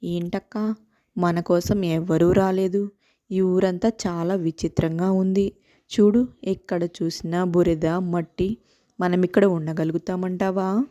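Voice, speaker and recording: Complaining young boy, played by a woman, fussy, lowish pitch, mellow, dry sound, animated story. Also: a little slow, no echo, lightly acted. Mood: disgusted. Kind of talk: animated children's story dialogue.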